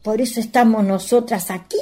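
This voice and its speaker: A woman acting a sly, chatty Chilean country ghost in a radio play, with a husky voice. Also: a little high, steady tone, fairly quick, warm tone, natural voice. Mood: coy, surprised.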